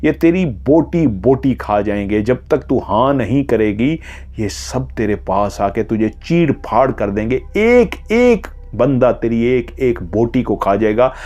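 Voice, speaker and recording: Man voicing a slow, menacing witch. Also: medium pitch, expressive, darkish tone, lo-fi sound. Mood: fierce threatening. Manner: slow, threatening, gloating. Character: menacing female witch gloating over her captive.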